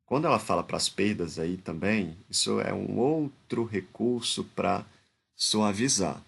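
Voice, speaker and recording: A man's voice: lowish voice, measured pace, gravelly, a bit bright, husky. A man with a Brazilian Portuguese accent gives informal spoken commentary analyzing a speech. He talks hesitantly, restarts phrases often and keeps adding tag questions.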